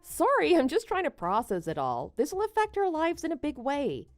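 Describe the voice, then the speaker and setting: A woman performs a devoted, accommodating wife in a scripted story drama. Her voice is high and swings animatedly as she talks conversationally. The recording is dry and close. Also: wildly swooping pitch, moderate pace, dry recording, soft background music, full character voice. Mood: pleading. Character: devoted, slightly needy wife, doubtful but accommodating.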